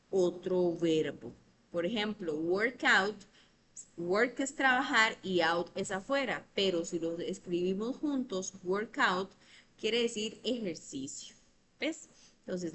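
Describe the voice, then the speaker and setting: A woman's voice: medium pitch, fairly bright tone. A woman, patiently explaining English grammar in an online tutoring lesson over a computer mic, often checking in with "¿verdad?".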